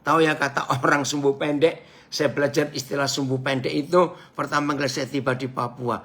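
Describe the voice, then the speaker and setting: A male pastor preaches in a high, bright voice with a gravelly edge. He talks slowly and animatedly. He puts questions straight to his listeners. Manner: animated, acts out shouted quotes; addresses listeners directly, asks questions. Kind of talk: sermon.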